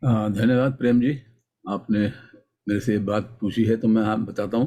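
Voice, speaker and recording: Loudness stays very even as a man speaks at medium pitch. His tone is dark and mellow, and his intonation is fairly even. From Meerut, western Uttar Pradesh, India. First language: Punjabi (speaking Hindi). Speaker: actor and writer. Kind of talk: panel discussion.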